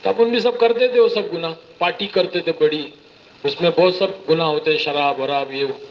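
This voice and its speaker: A man giving an animated, storytelling sermon and mimicking the people in his stories. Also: a little high, moderate pace. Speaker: preacher giving a religious talk. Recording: slightly muffled recording with faint hiss.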